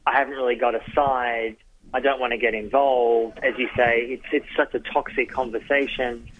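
A man's voice: medium pitch, level tone, moderate pace. A man, giving thoughtful interview answers in short phrases as a journalist and author. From Australia. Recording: dry tinny phone-line sound.

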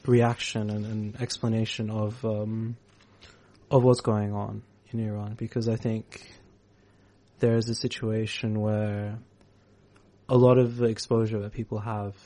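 Relaxed male community radio host. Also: fairly low pitch, measured pace, a little hiss or hum. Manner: relaxed, thinking aloud with fillers and laughs. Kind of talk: casual interview chat.

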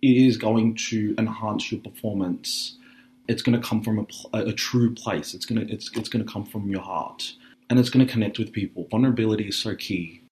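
A man with a raspy voice, a drag artist speaking candidly in a relaxed interview and thinking aloud as he goes. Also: on the low side, brisk. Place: radio studio.

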